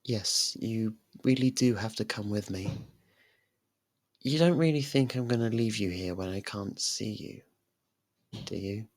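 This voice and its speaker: For an intimate ASMR roleplay, a performer voices a lovestruck faerie royal at mid pitch, staying close to an everyday voice. The speech is soft and halting, tender but anxious, with a clingy, possessive edge.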